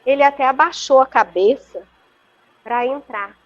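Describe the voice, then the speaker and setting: Speaking with a Brazilian Portuguese accent, a woman tells a story as a guest in a video-call interview, earnest and vivid, frequently checking in with her listener. Her voice is high-pitched and a little slow. The call audio is muffled and lo-fi.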